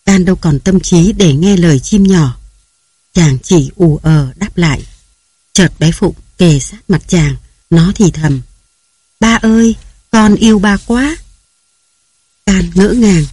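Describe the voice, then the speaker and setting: A narrator reading a novel aloud in a steady, even storytelling manner. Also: mid-range voice, breathy edge, dry recording. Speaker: audiobook narrator.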